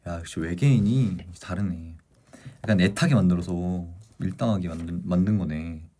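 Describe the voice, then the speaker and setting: A young man speaks at a normal pace in a low, dark voice. He's hosting a livestream, animatedly walking his viewers through the plot of a book.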